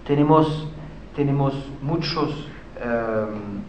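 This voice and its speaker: A man with a French accent giving a conference talk, halting often as he searches for words in a language he is still learning. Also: mid-range voice, a little mellow, muffled recording, a little hiss or hum. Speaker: conference speaker. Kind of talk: public lecture. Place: conference hall. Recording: echoey hall with faint ambience.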